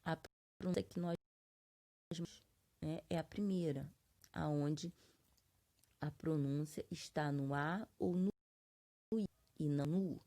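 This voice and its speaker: A woman's voice: low voice, steady tone, slow pace, long pauses, dark tone. A Brazilian woman teaching a grammar lesson, explaining patiently and drawing out example words syllable by syllable. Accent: Brazilian Portuguese. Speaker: Portuguese teacher. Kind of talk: classroom lesson.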